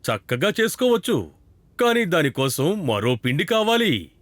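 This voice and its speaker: A man playing a kindly, patient father in a children's cartoon, speaking in an instructive, deliberate way. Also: on the high side, big pitch swings, fairly bright tone, no room sound. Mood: cheerful. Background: prominent music.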